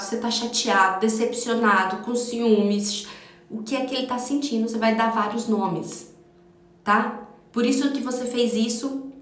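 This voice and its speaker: Animated woman coaching parents in an echoey room. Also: on the high side. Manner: animated, rhetorical questions, acts out parents' voices. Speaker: parenting educator. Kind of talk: live-stream talk to parents.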